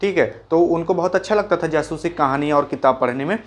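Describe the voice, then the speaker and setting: A man talks through a school chapter like a friendly tutor. His voice sits a little high for a man, and he keeps stopping to quiz himself and answer, calling his listeners brother along the way. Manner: chatty, repeats key points as quick questions and answers; folksy, calls listeners brother and mimics sounds. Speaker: teacher. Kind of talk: casual Hindi lesson explaining a chapter.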